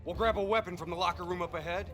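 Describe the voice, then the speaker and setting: A man's voice: high-pitched, fairly even intonation, very fast, a bit bright, soft background music. An actor playing a blunt male special forces commando in a game cutscene, talking in terse, clipped commands. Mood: clipped orders. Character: blunt tough male commando, gruff humor. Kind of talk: video game cutscene acting.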